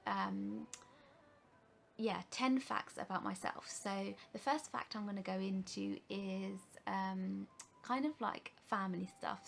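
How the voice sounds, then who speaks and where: Uk woman vlogging about makeup, lots of ums and restarts, creaky voice. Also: mid-range voice, fairly bright tone, slight background noise. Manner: chatty, rambling, many fillers and restarts. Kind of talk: casual rambling talk to camera.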